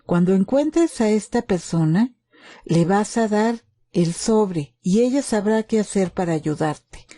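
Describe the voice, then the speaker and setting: Woman voicing a calm, protective soldier, mellow. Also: mid-range voice, a little slow, no echo. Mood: urgent, instructing. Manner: instructing, reassuring. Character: calm, protective German soldier, adult man.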